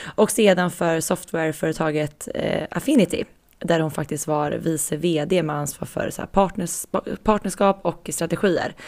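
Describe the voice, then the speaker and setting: This is a plain, everyday voice. It moves at a moderate pace. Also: woman, fairly low pitch for a woman, ordinary pitch variation. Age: 20s. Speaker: royal news podcast co-host. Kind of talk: casual chat.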